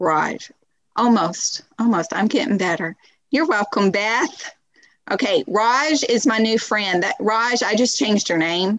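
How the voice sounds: Speaking in a Texas accent, a woman has a fairly high pitch. Her intonation is lively while her loudness stays very even.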